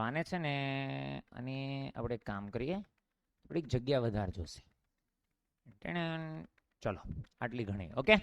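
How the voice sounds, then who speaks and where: A man teaches physics with a Gujarati accent, asking the class each question and then supplying the answer himself. His voice sits a little high and sounds smooth and resonant. The recording is dry and close, with no room echo. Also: a bit bright. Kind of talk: classroom lecture with call-and-response questions.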